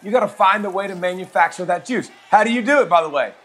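A man's voice: high voice, expressive, quick pace, a bit bright. A man on a sports panel, energetically agreeing with colleagues and building on their points. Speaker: football analyst. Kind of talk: sports analysis.

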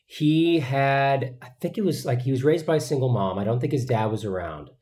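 A man from the Boston area, a voice actor guest, telling stories in a relaxed, reflective and rambling way. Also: mid-range voice, moderate pace. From Boston area, USA. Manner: reflective, rambling, many fillers and restarts. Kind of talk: relaxed storytelling in an interview.

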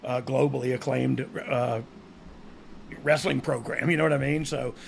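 A man's voice: mid-range voice, steady tone, normal speed, vocal fry, a little hiss or hum. A man co-hosting a podcast in a casual, joking way, laughing often. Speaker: podcast co-host.

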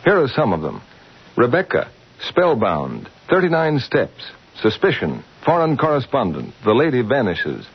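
A man's voice: mid-range voice, wildly swooping pitch, moderate pace, gravelly, slightly rough. An American man announcing in 1940s radio style on an old, lo-fi broadcast recording.

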